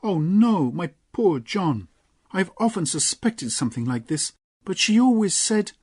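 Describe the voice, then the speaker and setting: A man's voice: high voice, sing-song, measured pace, darkish tone, breathy edge, dry recording, studio quality, voice pushed up, exaggerated voice. A man reading aloud and voicing an earnest, emotional young noble lady in a storybook. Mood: urgent. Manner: pleading, emotional.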